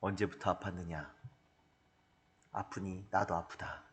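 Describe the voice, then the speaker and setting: A man voicing a gentle, calm Jesus in a soft, lowered voice. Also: brisk, in a large hall.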